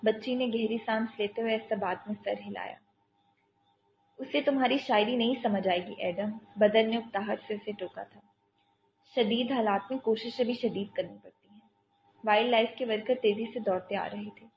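A woman narrating a novel in a measured storytelling voice, on dull lo-fi audio with faint hiss. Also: medium pitch, fairly even intonation, gravelly, soft background music.

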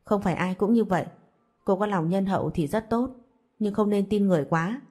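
A woman's voice: mid-range voice, brisk, dark tone, close to an everyday voice. A woman voicing a stern, blunt young father who talks in a curt, lecturing way.

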